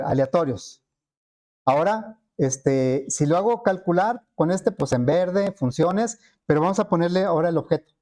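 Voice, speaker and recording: Walking his class through code in a screen recording, a programming teacher speaks in a darkish voice that sits a bit high for a man. He pauses on fillers as he thinks aloud and keeps checking in with his students.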